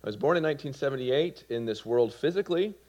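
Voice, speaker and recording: A man in his forties from Georgia with a Southern American accent, giving his personal testimony in a sermon with earnest, halting delivery. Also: mid-range voice, lively intonation, dull audio. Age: 40s. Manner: earnest, with fillers and soft laughs. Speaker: preacher.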